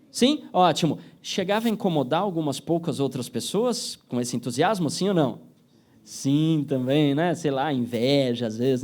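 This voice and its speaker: High-voiced Brazilian man lecturing lively. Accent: Brazilian Portuguese. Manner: lively, asks the audience yes-or-no questions, acts out little scenes. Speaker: speaker giving a motivational talk. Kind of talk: interactive motivational lecture.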